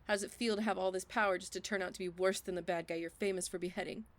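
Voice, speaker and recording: A woman's voice: medium pitch, steady tone, racing, slight background noise, close to an everyday voice. A woman playing a devoted, grief-stricken and defiant young heroine in an audio drama. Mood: grim, defiant.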